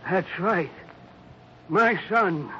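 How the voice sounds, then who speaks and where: A man's voice: high-pitched, extremely slow. A man playing a bitter, vengeful father, menacing and insistent, in an old-time radio western drama. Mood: bitter accusing. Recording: dull, faintly noisy old radio recording.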